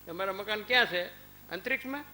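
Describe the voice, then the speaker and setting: A man's voice: high voice, fast talker, sharp tone, slight background noise. A man giving a conversational spiritual discourse to a small gathering. He calls on listeners by name and mixes in anecdotes and recited verses. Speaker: religious discourse speaker.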